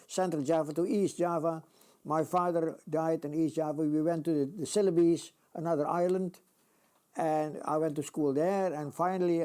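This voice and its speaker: An older man, from the Indies, telling his wartime story in a steady, plain way. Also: on the high side. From Dutch East Indies. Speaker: veteran interviewee. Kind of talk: interview recollection.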